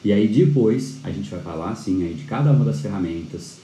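Male instructor, low and warm, animated live-class delivery with a roomy echo. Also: brisk, slight background noise. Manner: animated, frequent tag questions, restarts. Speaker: persuasion course instructor. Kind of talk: live-streamed lecture.

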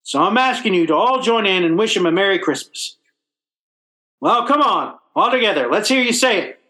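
A man acts out a soft-hearted, blustering working-class guy from an old-time radio sitcom. The voice sits high and rings bright and forceful. The speech is colloquial and excitable. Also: normal speed. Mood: earnest speechmaking.

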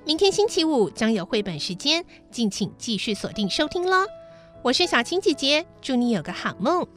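A woman's voice: on the high side, very animated, normal speed, fairly bright tone. A woman hosting a children's show, narrating a bedtime story expressively. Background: background music.

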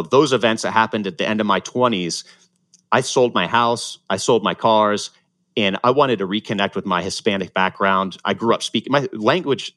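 A former pro triathlete, born in Ecuador and from Ohio, USA, tells his story in a casual interview, earnest and reflective and often restarting sentences. His voice is lowish and a bit bright, with no echo.

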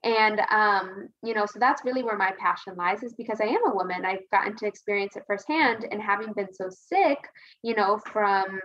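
A woman's voice: medium pitch, moderate pace, fairly bright tone. Earnest woman guest, slightly muffled podcast audio. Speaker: podcast guest, women's health advocate. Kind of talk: casual conversational interview answer.

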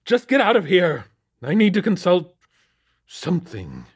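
A man voicing a paranoid, half-mad older police captain who shouts and cackles. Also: high-pitched, huge pitch swings, measured pace, slightly rough, no room sound, studio quality, pitched above the performer's own voice, exaggerated voice. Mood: agitated. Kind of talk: audiobook character voice.

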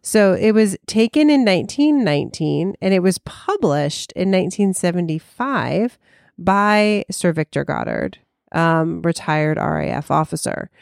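A woman co-hosting a casual podcast, chatty and quick to laugh, reading passages aloud. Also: fairly low pitch, animated, gravelly, a little mellow, dry recording, clean studio sound. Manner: chatty, laughs easily, reads quotes aloud. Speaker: podcast co-host. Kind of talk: casual chat.

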